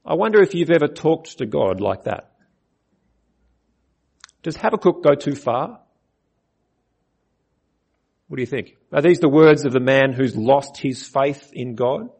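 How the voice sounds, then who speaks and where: A man's voice: medium pitch, darkish tone, breathy edge. A man preaching a sermon on a Bible passage, earnest, putting questions to his listeners.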